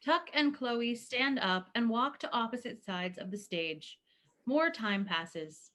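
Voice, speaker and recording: Woman reading stage directions, lively pitch. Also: takes it slowly. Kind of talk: scripted narration.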